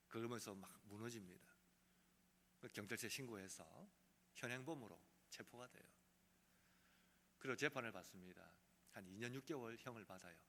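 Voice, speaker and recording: A man preaching a sermon as pastor, earnest, swinging from loud emphasis to soft quiet passages. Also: fairly low pitch, slight background noise. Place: church sanctuary. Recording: long hall reverb.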